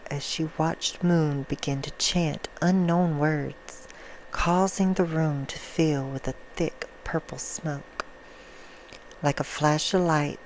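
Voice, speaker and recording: Noisy backdrop; woman as soothing, menacing female vampire, hushed and unhurried, for an ASMR bedtime story. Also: deep voice. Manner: slow, hushed storytelling, drifting into whispers. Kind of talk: ASMR roleplay. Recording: clear background noise.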